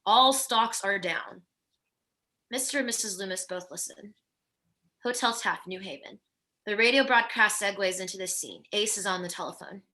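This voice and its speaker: A woman's voice: medium pitch, normal speed, sharp tone. A woman reading stage directions as scripted narration in a table read.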